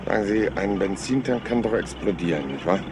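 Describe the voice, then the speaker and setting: An actor playing a polite, slyly persistent police inspector in a German crime radio play, hesitant and deceptively casual. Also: male voice, lowish voice, expressive, fairly quick, background noise, lightly acted. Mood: casually curious.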